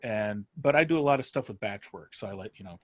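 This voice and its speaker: A man talking casually as an interview guest, halting and circling his point before landing on it. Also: fairly low pitch, expressive, no echo. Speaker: podcast guest, writer and podcaster.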